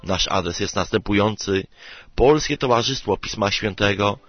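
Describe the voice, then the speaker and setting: A man preaches in a slow, earnest tone, urging his listeners. His voice sits fairly low. The recording sounds dull and lo-fi, like an old radio broadcast. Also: no room sound. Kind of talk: radio sermon.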